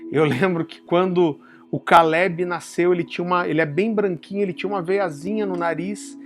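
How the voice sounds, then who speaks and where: A man with a Brazilian Portuguese accent preaching a sermon, telling warm family stories that he turns to a solemn point, often calling his listeners brother. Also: steady tone, a little fast, soft background music. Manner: drops low and soft for solemn points. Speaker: pastor.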